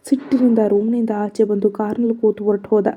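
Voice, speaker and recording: A woman narrating an audio drama story in a measured storytelling manner. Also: mid-range voice, little pitch movement. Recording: slightly dull lo-fi audio.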